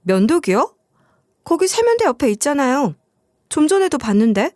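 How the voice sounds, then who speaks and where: A defensive young wife answers back in a plaintive way, as a woman narrator puts her on. The voice is high and moves a lot in pitch. The recording is close and dry. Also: big pitch swings, normal speed, darkish tone, no echo. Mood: casual.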